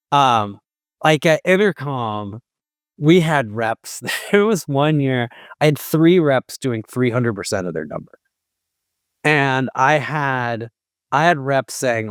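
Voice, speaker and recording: Male sales exec, interview guest. Average pitch, conversational and emphatic, informal phrasing, very dry recording. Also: no echo. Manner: informal, emphatic, often quotes imagined dialogue. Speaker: startup sales executive being interviewed. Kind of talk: casual conversational interview answers.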